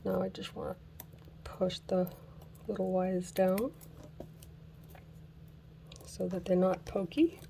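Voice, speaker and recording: A woman hosting a casual craft tutorial who is losing her voice, chatting slowly while she works and laughing at her own mishaps. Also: lowish voice, flat delivery, creaky, mellow, slight background noise. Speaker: craft channel host.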